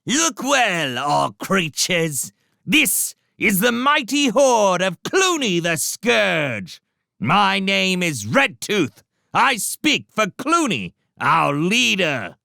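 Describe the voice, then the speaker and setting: A man voicing a swaggering male rat herald who makes loud, drawn-out proclamations. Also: high voice, big pitch swings, vocal fry, dry recording, studio quality, pitched above the performer's own voice, heavily acted. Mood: proclaiming.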